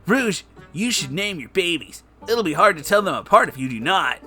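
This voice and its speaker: A man's voice: high voice, sing-song, moderate pace, bright, forceful tone, faint music behind, pitched above the performer's own voice, exaggerated voice. A man voicing a confident, reassuring teenage male cartoon hedgehog hero with an assured, breezy delivery. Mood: urgent.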